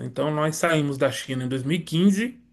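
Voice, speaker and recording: A man speaks with a fairly high pitch and ordinary pitch variation. The background is quiet. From Brazil, interior of São Paulo state (Taubaté). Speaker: missions pastor, missionary. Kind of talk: testimony.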